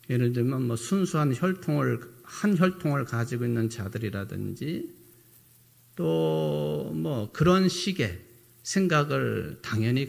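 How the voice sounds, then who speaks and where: A middle-aged man preaching a sermon with a gravelly, creaky edge to his voice. He talks to the congregation in an easy, conversational way and keeps asking rhetorical questions. His voice sits at an ordinary middle pitch. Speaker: pastor.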